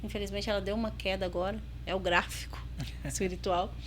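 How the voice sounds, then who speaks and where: A woman's voice: mid-range voice, steady tone, a little fast, slight background noise. A woman with a Brazilian Portuguese accent, a podcast guest in ministry, telling a story and acting out the dialogue in a casual chat.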